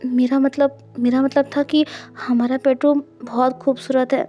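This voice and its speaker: A woman voicing a shy, tender young man in an audiobook, speaking softly with hesitant restarts. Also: high voice, level tone, normal speed, dull audio, faint music behind, close to an everyday voice. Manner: soft-spoken, hesitant restarts.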